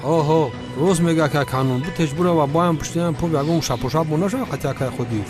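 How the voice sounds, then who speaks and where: A man's voice: a little high, music in the background, lightly acted. A man dubbing a wary sidekick. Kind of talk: film dub.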